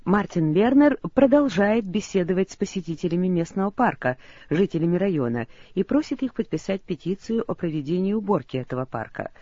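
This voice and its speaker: A woman narrating a language lesson, giving clear instructions. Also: on the low side, animated, quick pace, hardly any pauses, dark tone, dry recording. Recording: dull recording with faint music.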